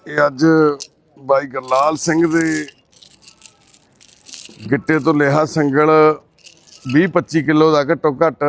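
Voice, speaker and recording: A man with a Punjabi accent who volunteers at a care shelter, gently and repeatedly coaxing another man as his brother and explaining to the camera. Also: a little high, flat delivery, slow, vocal fry, long pauses, slight background noise. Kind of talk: coaxing talk and narration to camera.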